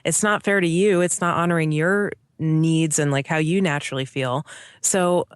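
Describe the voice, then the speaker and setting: A woman's voice: sits low, fairly even intonation, normal speed, smooth, no echo. Earnest thirty-year-old woman guest, dry. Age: 30s. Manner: earnest, thoughtful, with frequent "like" and "right?". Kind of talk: casual interview chat.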